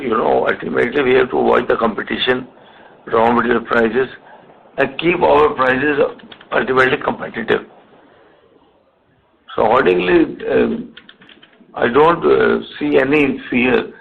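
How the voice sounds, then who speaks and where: Raspy, creaky Indian man on phone. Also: mid-range voice. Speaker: company executive answering analyst questions. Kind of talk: earnings call Q&A. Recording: muffled narrow phone conference line.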